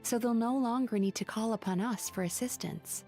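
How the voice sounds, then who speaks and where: An actress voicing a gentle, wistful female dream-eating spirit who works as a psychologist in a video game, speaking in a measured, reflective way. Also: on the high side, soft background music, close to an everyday voice. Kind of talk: video game character dialogue.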